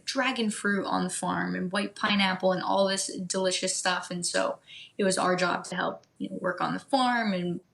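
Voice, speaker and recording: A woman guest on a podcast, talking in a relaxed, thoughtful way with frequent fillers. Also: on the low side, moderate pace, gravelly. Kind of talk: casual conversation.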